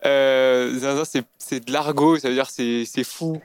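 A young man who is a native French speaker, volunteering, talking hesitantly with many pauses. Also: mid-range voice, steady tone, clear, resonant tone. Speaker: civic service volunteer.

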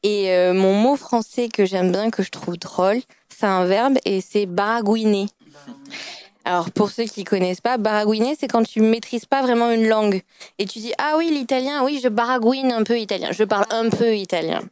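A woman who teaches French, explaining a word in a friendly, relaxed way. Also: mid-range voice, normal speed, clear, resonant tone. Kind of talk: casual explanation.

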